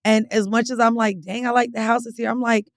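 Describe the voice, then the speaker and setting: A woman's voice: on the high side, little pitch movement, brisk, no echo, studio quality. A woman co-hosting a podcast, brash and teasing in casual banter, sometimes singing out her lines. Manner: brash, teasing, sings out promos. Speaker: podcast co-host.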